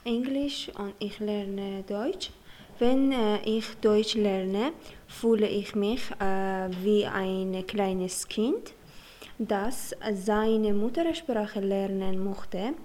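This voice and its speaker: Young female, Persian accent, hesitant learner introducing herself, extremely slow delivery, mid pitch. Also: dark tone. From Afghanistan. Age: young adult. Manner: hesitant, careful learner speech. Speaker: language learner. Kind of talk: personal self-introduction.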